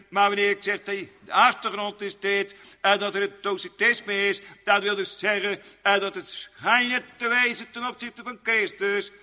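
A man preaching a sermon in old-fashioned churchly phrasing, rambling, repeating himself and pausing with many fillers. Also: sits high, sharp tone, big-room sound.

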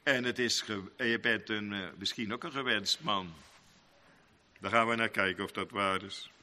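A man preaching a sermon, swinging between loud, sung-out passages and quiet, low asides. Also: steady tone, normal speed. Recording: long church reverb.

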